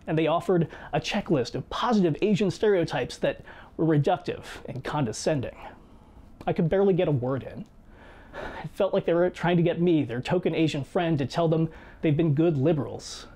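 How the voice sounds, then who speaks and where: Reflective man narrating a personal video essay. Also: on the high side. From United States. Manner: measured, reflective storytelling with quiet asides. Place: small home studio room with guitars and shelves.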